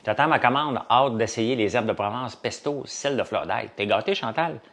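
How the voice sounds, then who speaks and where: A man's voice: medium pitch, normal speed, a bit bright. A man with a Québécois French accent, a farmer and business owner, chatting casually to a live audience and rambling from topic to topic with many fillers.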